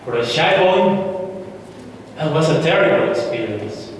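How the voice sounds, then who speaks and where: A man's voice: fairly high pitch, big pitch swings. Man orating in an echoey hall. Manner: slow, deliberate, dramatic pauses. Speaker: speech contestant. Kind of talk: memorized contest speech. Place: large indoor auditorium stage. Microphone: far camera, no visible mic. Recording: echoey hall from far off, faint hiss.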